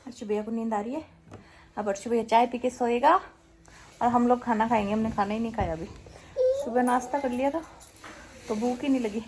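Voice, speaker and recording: A woman's voice: fairly high pitch, brisk, long pauses, slight background noise. A young woman chatting casually as she films a family vlog on a sunny rooftop, talking to the camera and now and then cooing at small children. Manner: chatty, relaxed, coos playfully at small children. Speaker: vlogger. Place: outdoors on a sunny rooftop at a relative's house.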